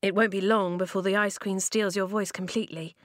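A woman's voice: mid-range voice, fairly even intonation, brisk, dry recording, lightly acted. Lady reading as a young boy, earnest n urgent, kinda puzzled, storybook adventure, close dry sound. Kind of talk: children's audiobook character voice.

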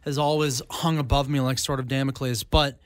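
A man's voice: mid-range voice, flat delivery, fairly quick, clear, resonant tone, no echo. A man co-hosting a radio show, chatting casually with a joking, playful way of talking. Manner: chatty, jokey, playful exaggeration.

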